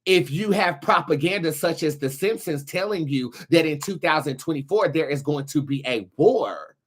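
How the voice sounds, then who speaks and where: A man hosting a show, giving casual commentary in a halting way with emphatic stresses on key words. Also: a little high, lively intonation, husky. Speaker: host of a tarot and commentary show.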